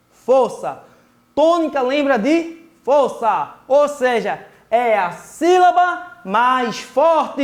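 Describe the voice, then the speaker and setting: High-voiced, slow-talking Brazilian teacher. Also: male voice, fairly bright tone. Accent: Brazilian Portuguese. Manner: slow and patient, repeats words, checks in with "tá?" and "ok?". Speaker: primary school teacher. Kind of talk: remote grammar lesson for children.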